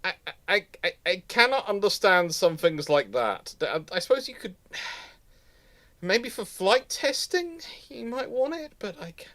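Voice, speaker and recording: A man hosting a live history stream in casual chat, with a halting, rambling way of talking that often repeats words. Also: high-pitched, sing-song, fairly bright tone. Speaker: host of a live history question show; history lecturer.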